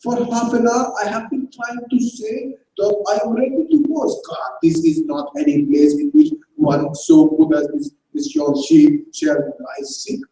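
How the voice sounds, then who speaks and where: A man voicing a fierce little old painter who shouts gruff contempt, in an echoey hall heard from far off. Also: very high voice, lively intonation, a little slow, few pauses, voice pushed up, heavily acted. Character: fierce little old male painter, gin-soaked, scoffing. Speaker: actor in a staged reading.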